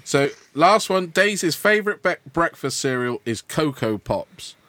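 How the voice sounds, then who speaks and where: A man's voice: fairly high pitch, big pitch swings, a little slow, fairly bright tone, dry recording. A man co-hosting a podcast quiz, laughing and stumbling over names. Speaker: podcast co-host.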